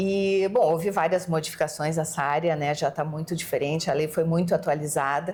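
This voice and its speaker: Hardly pausing, a woman with a fairly low voice talks at a moderate pace with fairly even intonation. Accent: Rio Grande do Sul. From southern Brazil, Porto Alegre. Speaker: lawyer and conflict mediator. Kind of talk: interview.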